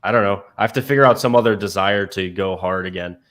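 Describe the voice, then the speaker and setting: A man's voice: low-pitched, fast talker, a bit bright. A man co-hosting a podcast, asking probing questions and reflecting casually on his own motivation. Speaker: podcast co-host. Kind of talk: casual chat.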